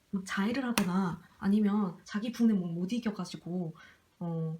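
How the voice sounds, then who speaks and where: A young woman delivers an online lecture at a quick, lively clip. She speaks casually to her students and keeps breaking into brief acted-out lines to illustrate her points. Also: mid-range voice. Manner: fast, chatty teaching with acted quotes.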